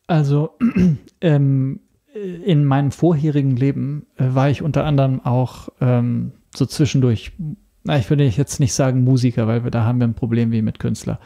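Gravelly, hesitant man. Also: mid-range voice, fairly even intonation, moderate pace, mellow. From Italy. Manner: hesitant, searching for words. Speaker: podcast guest. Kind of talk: casual interview talk.

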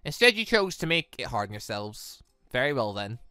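A British gamer voicing a stern, calm older male headmaster with a measured, formal, menacing manner in a visual novel game. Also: mid-range voice, clean tone, dry recording, studio quality, soft background music, voice pushed down. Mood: cold, resigned.

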